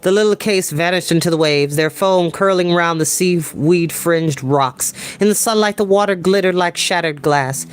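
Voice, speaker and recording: A young adult man reading a novel aloud as storyteller, in expressive audiobook-style narration. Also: sits high, moderate pace, few pauses, clean tone. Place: small room at a desk. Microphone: desk microphone.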